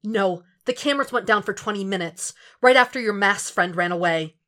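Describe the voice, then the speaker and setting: A woman's voice: medium pitch, brisk, fairly bright tone, natural voice. A woman voicing an anxious male ally giving urgent, agitated warnings in a story reading. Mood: tense.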